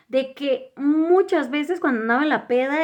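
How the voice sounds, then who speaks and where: Against a quiet background, a woman talks at a moderate pace with a Mexican accent. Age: 30s. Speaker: YouTuber. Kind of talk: personal storytime monologue. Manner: casual, colloquial.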